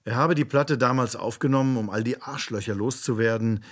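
A man reading scripted narration for a radio play in a measured, literary way. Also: medium pitch.

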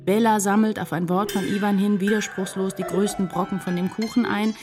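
An actress playing an anxious, tender writer in love, narrating a literary radio drama in an intense, confessional way. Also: female voice, medium pitch, fairly even intonation, a little fast, darkish tone, close to an everyday voice. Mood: agitated narrating. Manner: intense, confessional first-person storytelling. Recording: music behind the voice. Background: music.

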